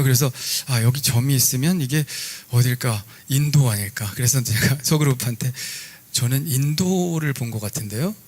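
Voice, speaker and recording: A middle-aged man, a pastor, preaching a sermon in a relaxed, conversational storytelling way with lively asides. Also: medium pitch.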